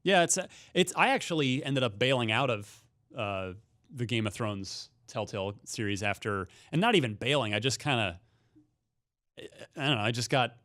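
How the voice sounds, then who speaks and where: A man's voice: mid-range voice, expressive, normal speed, fairly bright tone. A man chatting casually about video games on a panel show, often restarting and rephrasing as he goes. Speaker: podcast panel host.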